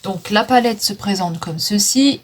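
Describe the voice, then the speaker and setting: A woman's voice: mid-range voice, measured pace, heavy background noise. A woman chatting casually through a makeup declutter, with frequent fillers, stumbling over English names. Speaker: vlogger selling makeup. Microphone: phone.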